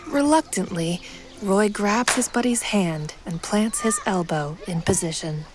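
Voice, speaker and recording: A woman's voice: mid-range voice, a little slow, noisy background. A woman reading scripted present-tense story narration for an action fiction podcast. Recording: prominent music bed under narration.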